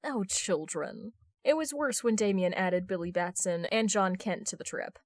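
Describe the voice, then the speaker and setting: A woman's voice: mid-range voice, moderate pace, dry recording, studio quality. A woman reading scripted fan fiction narration as an audiobook narrator.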